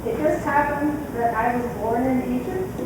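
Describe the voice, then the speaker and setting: A woman slowly giving a measured comment from the audience at a panel. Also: high voice, animated. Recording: echoey hall, voice from far off, noisy.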